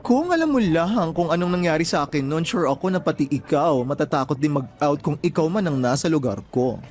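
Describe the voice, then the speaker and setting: A man's voice: fairly high pitch, animated, brisk, a little mellow, close to an everyday voice. A man playing a flamboyant young gay Filipino in a radio drama, sassy and dramatic, with slangy exclamations. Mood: confiding. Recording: music playing under the voice.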